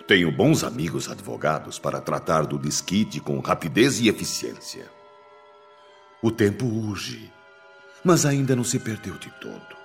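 A lovesick older Brazilian businessman in a radio soap. His voice is extremely low and drags slowly through florid, theatrical pleas. He sounds obsessive and desperate, with music underneath. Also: gravelly, exaggerated voice. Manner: florid, theatrical, pleading declamation. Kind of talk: radio soap opera acting.

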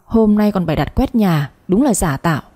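A sharp-tongued young woman who says exactly what she thinks, mocking and blunt, read by a woman storyteller. Her voice sits dark and husky. It is a spoken storybook telling. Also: medium pitch, lively intonation, moderate pace. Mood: teasing. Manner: outspoken, mocking.

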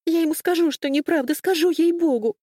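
A woman voicing a scared, tearful young woman who pleads in a high, whimpering voice. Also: big pitch swings, moderate pace, a little mellow, no echo, clean studio sound. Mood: pleading.

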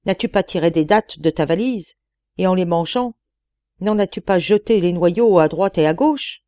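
A woman's voice: moderate pace, dark tone, no room sound, close to an everyday voice. A woman voicing a huge, white-haired old male genie who is vengeful and speaks in a terrible tone, in an audiobook reading. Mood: menacing. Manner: terrible, booming tone.

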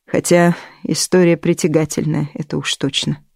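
A woman voicing a man who speaks in a low, preachy, edifying tone. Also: little pitch movement, normal speed, gravelly, a little mellow, no echo, clean studio sound.

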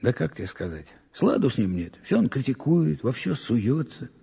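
An actor playing a blunt, disapproving prison officer with a rough, husky voice, grumbling colloquially in an audio drama. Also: male voice, medium pitch, very animated, normal speed, dark tone, big-room sound, full character voice. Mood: grumbling, indignant. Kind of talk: Russian audio drama acting.

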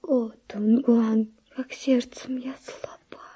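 An actress playing an anguished, wavering, tender woman in a radio verse drama, breathy and often dropping to a whisper. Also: fairly high pitch, flat delivery, takes it slowly, warm tone. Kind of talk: classic Russian radio drama acting of verse.

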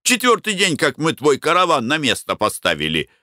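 A man reading aloud, voicing a good-natured male peasant barge worker who pleads deferentially and gently for his pay. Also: a little high, wildly swooping pitch, a little fast, no room sound, clean studio sound, voice pushed up, exaggerated voice. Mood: pleading.

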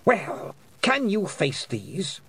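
A man's voice: high-pitched, wildly swooping pitch, fairly bright tone, husky, no echo, voice pushed up, exaggerated voice. Man voicing a taunting fairy queen. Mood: menacing. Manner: taunting, slow and threatening. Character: cold, menacing fairy queen, female.

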